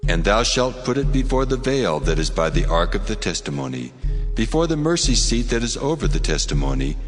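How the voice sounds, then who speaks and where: Deep, booming biblical God, vast reverb. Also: male voice, big pitch swings, fairly quick. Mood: solemn, commanding. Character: God of the Bible, solemn, commanding male deity. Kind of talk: dramatized scripture reading. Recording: long reverberant hall effect. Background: music.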